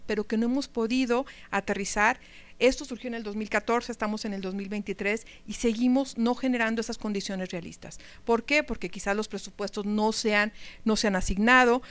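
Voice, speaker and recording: Woman lecturing teachers, smooth voice. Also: a little high. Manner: conversational, asks the audience questions. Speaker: speaker at a teacher training talk.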